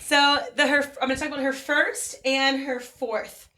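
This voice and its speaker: A woman's voice: high-pitched, level tone, moderate pace, sharp tone, a little hiss or hum. A woman from a bridal salon, chatting on a podcast and gushing about wedding dresses. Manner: gushing, enthusiastic. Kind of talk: casual podcast chat.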